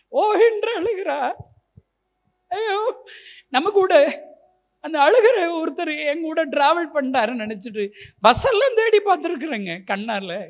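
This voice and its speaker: Impassioned high-voiced preacher, man. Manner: impassioned, swings from soft storytelling to shouted appeals. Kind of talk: revival sermon testimony.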